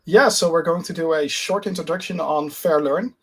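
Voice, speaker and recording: A man's voice: on the high side, normal speed, breathy edge. A man, giving a casual tech talk on a video call, hesitant and full of fillers. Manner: hesitant, many fillers and restarts. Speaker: guest speaker.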